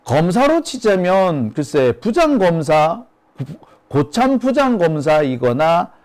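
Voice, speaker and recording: A man's voice: a little high, darkish tone. A man hosting a solo political commentary, speaking emphatically and asking rhetorical questions. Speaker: host of a political commentary channel.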